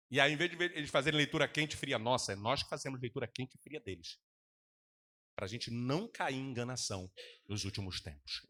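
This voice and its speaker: A man preaching as pastor with a Brazilian Portuguese accent, animated and mocking in his asides. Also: on the high side. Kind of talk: sermon with congregation exchange.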